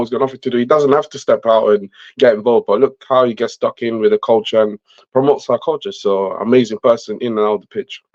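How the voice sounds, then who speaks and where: A man's voice: mid-range voice, a little mellow, no room sound, highs cut off. A man from Italy speaking casually as an interview guest, repeating phrases for emphasis. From Italy, born and raised. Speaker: interview guest, vice president of a community organisation.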